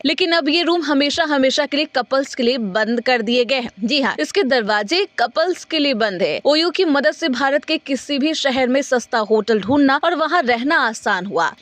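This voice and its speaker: A woman anchor reading a scripted news report in a formal, steady delivery. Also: high-pitched, no echo.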